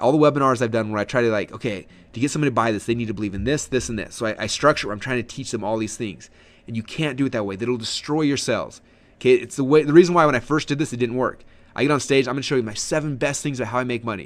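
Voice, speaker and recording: Very fast speech from a man at medium pitch. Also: ordinary pitch variation. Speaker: online marketing trainer. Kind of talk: training webinar. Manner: slurred words, many fillers.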